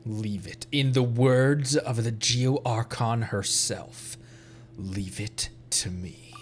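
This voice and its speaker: A man's voice: medium pitch, fairly even intonation, slow, slight background noise. A young adult man streaming a game, giving casual, rambling commentary with frequent giggles.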